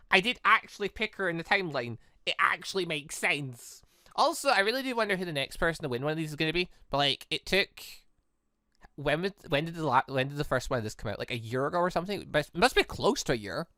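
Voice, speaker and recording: A man's voice: on the high side, pushed and bright, no room sound, clean studio sound. A man hosting a let's play, rambling through his commentary with stammered self-corrections. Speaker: gaming video host. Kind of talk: let's play commentary, reading visual novel dialogue aloud. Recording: music behind the voice.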